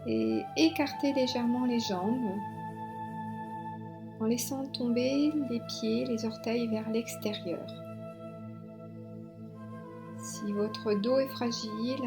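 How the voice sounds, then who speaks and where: A woman guiding a yoga relaxation meditation as an instructor, giving soothing, unhurried instructions with long pauses. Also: on the high side. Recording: soft new-age music behind. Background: new-age relaxation music.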